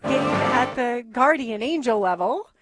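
A woman's voice: a little high, expressive, unhurried, over loud music. A woman co-hosting a live radio fundraiser from a church, chatty and affirming as she reads out donors and thanks them. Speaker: radio co-host.

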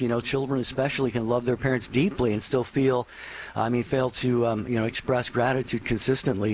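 A man's voice: medium pitch, a little hiss or hum, low-quality recording. A man co-hosting a radio talk show, speaking in an encouraging, reflective way to a caller.

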